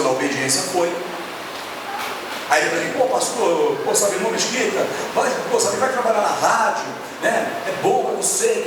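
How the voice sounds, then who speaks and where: A middle-aged Brazilian preacher with a fairly high voice, telling stories with lively acted-out dialogue. He is heard from a distance, and a long echo fills the church hall. Steady background noise sits under his voice. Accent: Brazilian Portuguese. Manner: animated storytelling, acts out dialogue. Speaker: pastor. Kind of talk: sermon. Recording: echoey church hall, distant mic, noisy.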